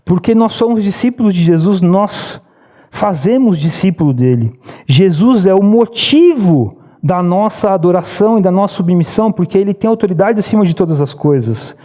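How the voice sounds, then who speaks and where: A man's voice: animated, normal speed, warm tone. A man in his thirties with a Brazilian accent, preaching a sermon in church and telling stories earnestly. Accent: Brazilian Portuguese. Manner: earnest storytelling preacher, rises in pitch when urging. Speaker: pastor. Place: church sanctuary.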